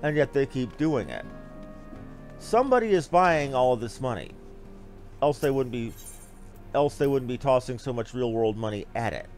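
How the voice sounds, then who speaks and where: A man's voice: medium pitch, lively intonation, moderate pace, long pauses, a little mellow, soft background music. A man giving casual live game commentary as a streamer, rambling and blunt with some mild swearing. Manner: rambling, blunt, mildly profane.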